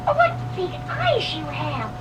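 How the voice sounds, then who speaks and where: A woman's voice: huge pitch swings, heavily acted. A woman doing a sweet little girl in a red hood. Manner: high, slow and sing-song. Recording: distant, noisy old vinyl record.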